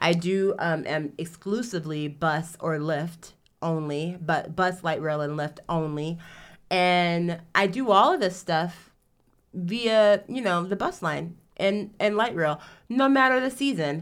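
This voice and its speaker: With an American accent and a normal speaking voice, a woman talks at a fairly slow pace, her fairly low pitch carried by lively intonation. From US South, Georgia (Atlanta). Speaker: entrepreneur. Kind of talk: casual chat.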